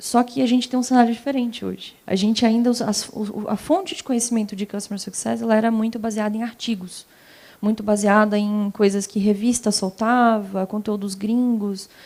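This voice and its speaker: Fairly high-pitched woman's voice, somewhat breathy, with a dark, mellow tone, fairly even intonation and a moderate pace. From Minas Gerais, Belo Horizonte. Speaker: customer success professional, lecture speaker. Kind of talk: audience Q&A answer.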